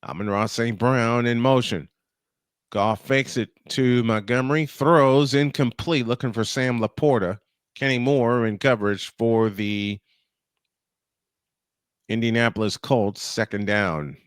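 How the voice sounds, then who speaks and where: A young man calling football plays in a steady play-by-play commentary style. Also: mid-range voice, measured pace, clean tone, dry recording, clean studio sound. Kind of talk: live sports commentary.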